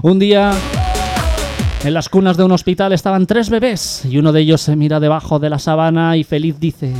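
Brief: radio joke teller, Catalan-man, fairly high voice, studio mic. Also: fairly even intonation, fairly quick, a little mellow, faint music behind. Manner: storytelling, slips into character voices. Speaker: radio show co-host. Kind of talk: telling jokes on community radio.

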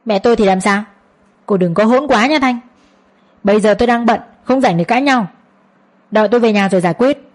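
A woman's voice: mid-range voice, brisk, pauses often, lightly acted. A woman doing a curt, dismissive husband. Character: dismissive impatient young husband.

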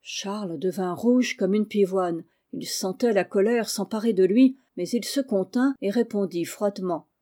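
A woman's voice: medium pitch, normal speed, few pauses, warm tone. A woman narrating a classic children's novel as an audiobook, reading steadily and doing all the character voices. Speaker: audiobook reader.

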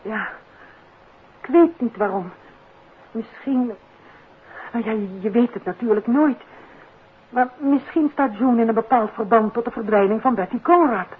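An actress playing an earnest, worried schoolmistress, formal and anxious, in a 1950s Dutch radio drama. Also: female voice, on the high side, unhurried, long pauses, close to an everyday voice. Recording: muffled, noisy 1950s radio recording.

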